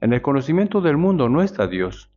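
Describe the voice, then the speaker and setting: A male preacher giving a measured sermon, often asking the congregation rhetorical questions. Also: fairly high pitch, sing-song, darkish tone. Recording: dull lo-fi sound.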